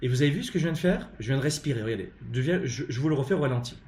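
A man's voice: medium pitch, racing. French-accented guy doing a live motivational stream from home, emphatic, lots of uh's, echoey room. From France. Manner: emphatic, animated, many hesitant fillers. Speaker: leadership coach and live show host.

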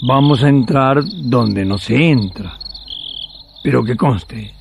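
A man's voice: medium pitch, lively intonation, slow pace, creaky, background noise. A man narrating a radio drama, addressing listeners intimately.

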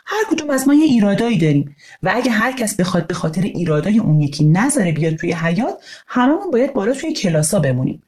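A woman voicing a calm, kind schoolboy who reasons patiently, in an audio storybook over guitar music. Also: medium pitch, natural voice. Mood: gentle.

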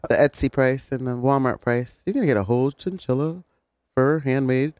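A man with a raspy voice co-hosting a morning show, reacting playfully in casual chat. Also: mid-range voice, moderate pace, darkish tone, no echo, clean studio sound.

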